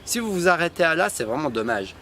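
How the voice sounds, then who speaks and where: A man giving an improvised, relaxed talk to camera, with frequent hesitations. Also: on the high side, fast, a little hiss or hum. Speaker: personal development vlogger.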